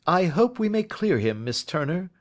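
A man voicing a wry, unhurried gentleman detective. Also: sits high, big pitch swings, voice pushed up. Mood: reassuring. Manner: dry, offhand.

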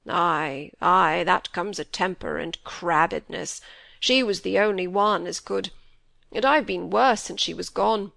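A woman reading a grief-stricken old country squire in a rough rural dialect, her voice low and broken. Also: a bit bright, no echo. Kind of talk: audiobook character voice.

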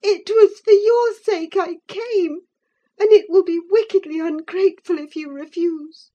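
A woman voicing a passionate young woman, high and tearful, pleading and defiant. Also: measured pace, mellow, lo-fi sound.

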